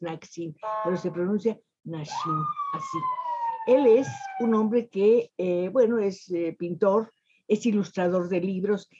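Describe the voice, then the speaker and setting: A woman's voice: fairly low pitch, warm tone, husky, highs cut off. An older woman hosting a television interview, speaking in eloquent, lyrical phrases from a home library over a video call. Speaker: interviewer and host. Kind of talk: warm formal television interview.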